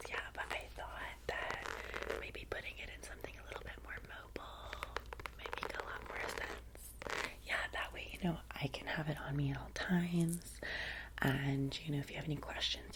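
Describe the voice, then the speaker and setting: A woman with a Valley girl American accent softly whispers an ASMR roleplay as a vampire's chatty, soothing personal assistant. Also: low-pitched, poor audio. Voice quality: soft, breathy whisper. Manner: casual, chatty Valley girl phrasing with many "like"s. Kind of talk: ASMR roleplay, soft-spoken personal attention.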